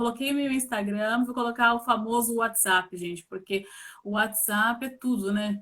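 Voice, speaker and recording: A woman speaks at a fairly slow pace. Her fairly high voice has a bright, sharp tone. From Brazil, Santos (São Paulo state). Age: 40s. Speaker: immigration lawyer. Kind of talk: live interview. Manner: animated.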